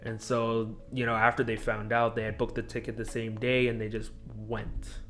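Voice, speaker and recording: A young man, a podcast guest, telling a personal story in a halting, disjointed way, full of restarts. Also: medium pitch, monotone, a bit bright, faint music behind. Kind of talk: casual conversation.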